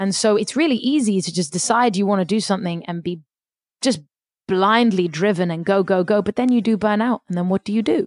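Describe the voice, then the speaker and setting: At a fairly quick pace, a woman speaks with a British accent, a medium pitch and ordinary pitch variation. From London, England (also Paris childhood). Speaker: recording artist. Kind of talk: podcast interview.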